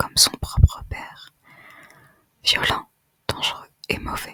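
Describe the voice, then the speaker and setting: A woman whispers at a fairly slow pace. Her voice sounds dry and close, without any echo. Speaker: author reading her own novel, ASMR creator. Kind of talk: whispered ASMR audiobook reading of a fantasy novel. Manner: whispered, soft, slow.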